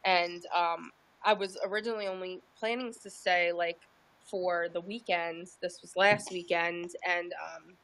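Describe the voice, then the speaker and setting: A woman's voice: lowish voice, steady tone, measured pace, fairly bright tone, low-quality recording. A woman calling in on a video call, talking hesitantly with many ums and nervous laughs. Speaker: guest caller.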